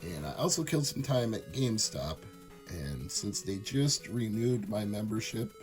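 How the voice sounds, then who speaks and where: Male vlogger, hoarse and raspy from a cold, lowish voice, easygoing chatty show-and-tell, music playing behind. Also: lively intonation, normal speed. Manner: chatty, easygoing, enthusiastic about finds. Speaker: thrifting video creator. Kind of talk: casual show-and-tell chat.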